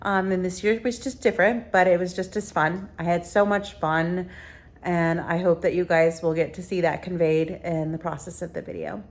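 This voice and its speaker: A woman's voice: lowish voice, steady tone, normal speed. Woman vlogger, casual rambling chat, a little stuffy-nosed at times. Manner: chatty, rambling with fillers. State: stuffy from allergies. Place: theme park, outdoors and at home.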